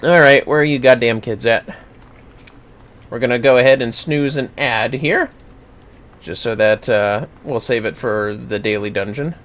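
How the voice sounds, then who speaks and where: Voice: mid-range voice, a little slow, a bit bright. A streamer casually commenting on an online fantasy game, muttering to themself and swearing lightly. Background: game music.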